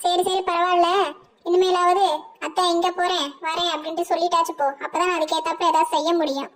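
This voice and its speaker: Bossy old cartoon granny, high shrill voice, scolds and nags. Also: female voice, little pitch movement, fast, fairly bright tone. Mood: scolding. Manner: scolding, nagging, rustic. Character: older grandmother, bossy and scolding mother-in-law.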